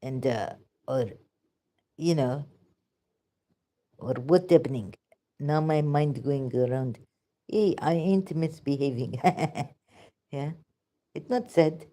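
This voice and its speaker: A woman's voice: deep voice, takes it slowly, pauses often, warm tone. A woman with a Pakistani accent giving rambling, sarcastic religious commentary in broken English. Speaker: vlogger.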